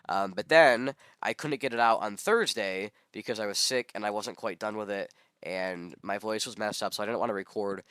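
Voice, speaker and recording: A man's voice: lowish voice, fairly bright tone, clear, resonant tone, no room sound. Sick young man rambling solo. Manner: rambling, many ums and self-corrections. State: sick, voice hoarse. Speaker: podcast host. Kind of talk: solo podcast monologue.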